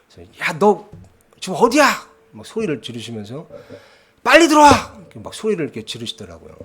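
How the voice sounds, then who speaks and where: A man preaching a sermon in a church, telling a story in a conversational way and often checking in with the congregation. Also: a little high. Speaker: pastor. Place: church sanctuary.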